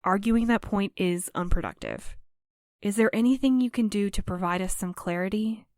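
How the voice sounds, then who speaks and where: A woman's voice: medium pitch, sing-song, moderate pace, a little mellow, no room sound, clean studio sound. A woman playing an earnest, reserved courier in an audio drama, choosing her words carefully and diplomatically. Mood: earnest, pleading. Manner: careful, formal, conciliatory. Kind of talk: audio fiction acting.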